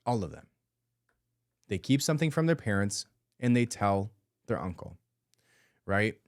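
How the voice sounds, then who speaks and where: A man's voice: lowish voice, big pitch swings, unhurried, dry recording, clean studio sound. A man hosting a podcast, giving an emphatic, indignant commentary monologue and repeating his points for emphasis. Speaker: podcast host.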